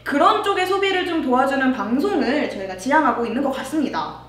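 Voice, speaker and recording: Female YouTube host, twenties, high-pitched, lively intonation, casual Q&A chat, picked up from a distance. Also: fast talker. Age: 20s. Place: bare white indoor studio. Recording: echoey room, distant mic.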